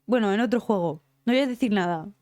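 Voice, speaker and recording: A woman's voice: mid-range voice, quick pace, darkish tone, no room sound. Teary spanish girl streaming, rambly and sweary, medium voice, dry sound. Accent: Spain Spanish. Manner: emotional, rambling, swears freely. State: teary after crying. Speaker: game streamer. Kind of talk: casual live-stream chat.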